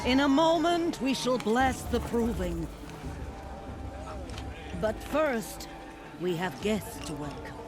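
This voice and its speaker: An actor playing a solemn tribal leader in a video game, declaiming formally to an assembly. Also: male voice, extremely high pitch, lively intonation, slow, long pauses, full character voice. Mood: solemn, proclaiming. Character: solemn tribal leader presiding over a ceremony. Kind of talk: video game cutscene oratory.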